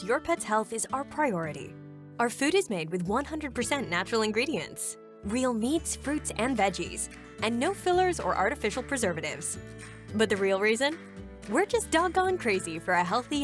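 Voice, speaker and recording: A woman's voice: fairly high pitch, very animated, moderate pace. A woman performing an upbeat, friendly pet food commercial announcer with a bouncy, polished sales delivery. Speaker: commercial voice-over artist. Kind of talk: scripted pet food advert read. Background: music bed.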